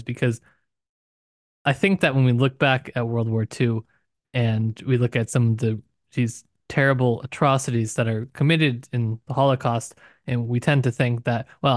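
A man's voice: medium pitch, dry recording, studio quality. A man co-hosting a podcast book discussion, talking in an earnest, explanatory way. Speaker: podcast co-host.

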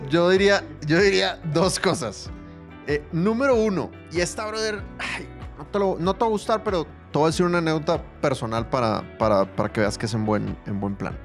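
A man co-hosting a podcast, giving casual advice and telling a personal story with lively slang. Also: medium pitch. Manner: animated storytelling, calls listener brother and compadre. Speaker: podcast co-host.

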